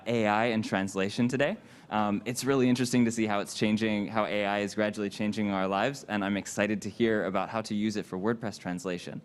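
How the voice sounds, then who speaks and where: A man hosting a conference session, introducing the next speaker in a friendly, slightly halting way. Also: lowish voice, clean tone. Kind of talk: event introduction. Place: conference hall.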